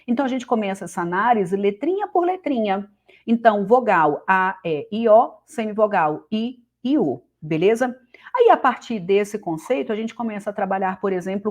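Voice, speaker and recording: A woman with a Brazilian Portuguese accent giving a casual online grammar lesson as a teacher, talking straight to the viewer and asking questions. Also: medium pitch. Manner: chatty, addresses the viewer directly with questions.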